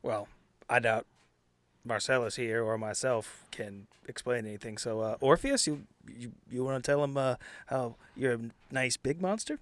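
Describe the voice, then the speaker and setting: A man's voice: mid-range voice, normal speed, dry recording. A man speaking casually in character as a player in a tabletop roleplaying game.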